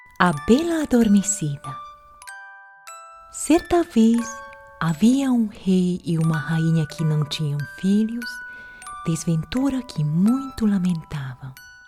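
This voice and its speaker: Over music in the background, a woman with a non-native accent speaks at a very slow pace with long, frequent pauses. Her medium pitch moves in very wide swings. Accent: foreign accent in Portuguese. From Europe. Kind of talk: fairy tale reading.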